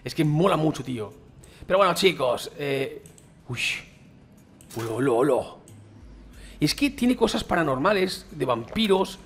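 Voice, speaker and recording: Spain Spanish gaming YouTuber, male, slangy and excitable, a bit high, with faint noise behind. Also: normal speed. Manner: chatty, slangy, addresses viewers as "chicos" and "tío". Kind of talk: casual gameplay commentary.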